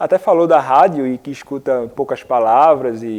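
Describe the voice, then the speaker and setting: Ordinary pitch variation in an unremarkable speaking voice. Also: man. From Brazil, Recife, Pernambuco. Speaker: pastor. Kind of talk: sermon.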